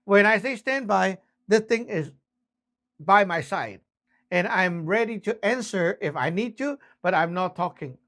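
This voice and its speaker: A man with a high, fairly bright voice teaches radio communication basics, speaking a little slowly but in an animated way. His lesson is casual and conversational, with step-by-step explanations, frequent short tag questions, and acted-out example exchanges.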